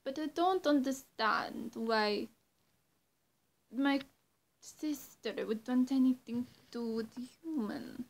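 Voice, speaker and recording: Young woman playing a slow, high-voiced coy vampire. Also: full character voice. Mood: sly, confiding. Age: young adult. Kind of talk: roleplay addressed to the listener. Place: small bright bedroom, indoors. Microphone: camera mic at arm's length or closer.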